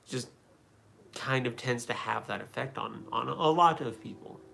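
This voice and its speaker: Gravelly-voiced man chatting on a livestream. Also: mid-range voice. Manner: relaxed, rambling, many fillers and restarts. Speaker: livestream host answering chat. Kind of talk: casual livestream chat.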